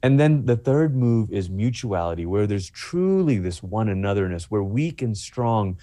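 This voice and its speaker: A man's voice: fairly low pitch, big pitch swings, moderate pace, dark tone, no room sound. A man from Malaysia, a pastor and author, speaking earnestly as a guest in an interview and repeating himself as he builds a point.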